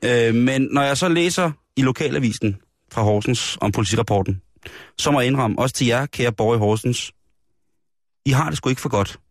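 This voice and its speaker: En mandlig radiovært i en komisk snak, der med gravalvorlig, tør tone læser lokale politinyheder op og ofte tøver og starter forfra. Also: male voice, mid-range voice, dry recording, clean studio sound. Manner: mock-solemn, deadpan reading of news; many fillers and hesitant restarts. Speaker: radio comedy host. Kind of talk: improvised comic radio banter. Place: radio studio.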